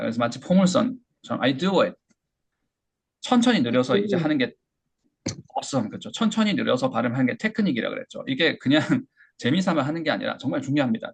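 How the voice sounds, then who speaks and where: A man teaching English pronunciation in a lecture, explaining step by step and modeling phrases slowly for learners to repeat. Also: mid-range voice, creaky, slightly rough. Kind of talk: online lecture.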